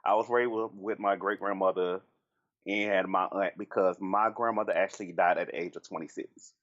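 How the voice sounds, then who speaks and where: A man with a Southern US accent, a podcast guest telling frank, crude stories in animated casual chat. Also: sits low, moderate pace, lo-fi sound. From Southern United States.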